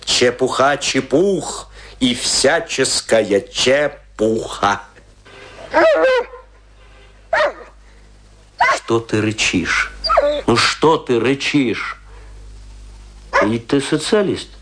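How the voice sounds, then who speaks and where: An actor playing a lonely, embittered, hard-drinking stage actor in a radio play, declaiming theatrically and broodingly with a husky voice. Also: male voice, medium pitch, expressive, noisy background. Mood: defiant, drunken. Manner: declamatory, brooding, with rhetorical questions and long pauses. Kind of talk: theatrical dramatic monologue, Russian radio play.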